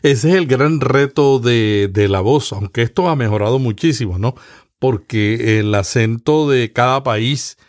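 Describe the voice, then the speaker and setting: This podcast host, a man from Latin America, speaks at a mid pitch and explains things at length in a measured, steady way. He often restarts a phrase before he finishes it.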